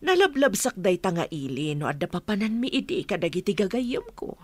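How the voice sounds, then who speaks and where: An actress playing a caring mother who gently questions her son in a radio drama. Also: medium pitch, very animated, brisk, dry recording. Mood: tender.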